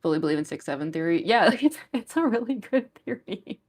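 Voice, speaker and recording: A young woman with a gruff voice that is going hoarse, chatting casually with viewers on a livestream in a rambling way full of fillers. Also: mid-range voice, lively intonation, quick pace, a little mellow. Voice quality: gruff, smoker-like voice. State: losing her voice. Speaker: livestream artist. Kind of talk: casual chat with stream viewers.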